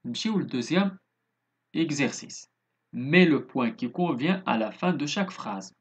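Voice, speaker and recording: A man with a Moroccan accent teaching a recorded grammar lesson as a primary school teacher. He reads the textbook exercises slowly and explains them in quick asides. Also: a little high, animated, breathy edge.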